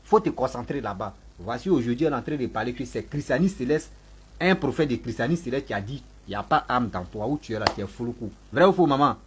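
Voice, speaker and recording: A man's voice: medium pitch, animated, fast, a little hiss or hum. A man hosting a call-in talk show, speaking emphatically in a preachy tone and breaking in on callers. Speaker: host.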